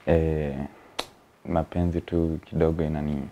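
A man's voice: extremely low pitch, little pitch movement, a little slow, warm tone, highs cut off. A young Kenyan man with a Kenyan accent, a comedian guest telling his story in a casual interview, rambling and chuckling, mixing in slang, on an indoor studio set.

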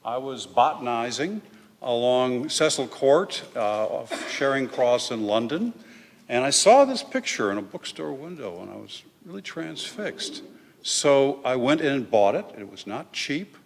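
An older man speaks at a lectern microphone in a large hall with a long reverb trailing his words. His voice sits at an ordinary middle pitch, and he lectures in a loose, conversational way, stopping often for "uh" and "okay". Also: very animated, unhurried, gravelly. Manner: chatty, with frequent "uh" and "okay". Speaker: history professor giving a lecture. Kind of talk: informal public lecture.

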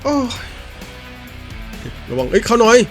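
A man giving casual, excitable commentary while playing a football video game, swinging between low mutters and high yelps and swearing at the game. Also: unhurried, faint music behind. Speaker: gaming YouTuber.

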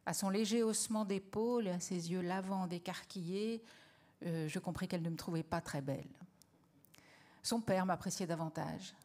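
A woman reading a first-person memoir aloud on a literary stage, clear and steady. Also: on the low side, normal speed. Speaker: reader of a memoir.

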